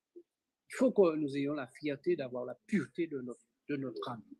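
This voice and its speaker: A man with a fairly high pitch talks at a fairly slow pace, the sound dry and close with no echo. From Congo. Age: 60s. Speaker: cultural speaker. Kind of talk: moral exhortation.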